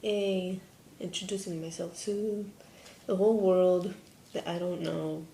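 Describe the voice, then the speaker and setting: A man's voice: high voice, fairly even intonation, a little slow, vocal fry, dark tone. A young trans man talking casually in a rambling, filler-heavy vlog. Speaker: vlogger. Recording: echoey room, faint noise.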